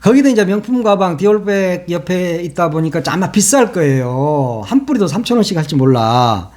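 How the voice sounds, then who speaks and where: A man's voice: sits high, expressive, moderate pace, darkish tone. A man hosting his own political commentary channel, talking casually in a mocking, sarcastic way and laughing at his own jokes.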